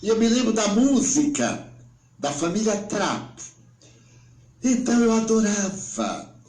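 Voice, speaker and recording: A man in his nineties with a Brazilian Portuguese accent, giving a spiritual talk as an emotional story, swinging between hushed and exclaiming. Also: sits high, big pitch swings, slow pace, reverberant, low-quality recording. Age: 90s. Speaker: spiritual speaker.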